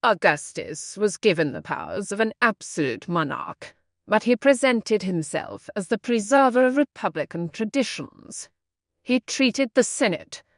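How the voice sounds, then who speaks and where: A woman's voice: mid-range voice, gravelly, no echo, clean studio sound. A woman reading a prepared practice passage aloud in a formal, instructional manner. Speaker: reader of exam practice passages. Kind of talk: scripted read-aloud.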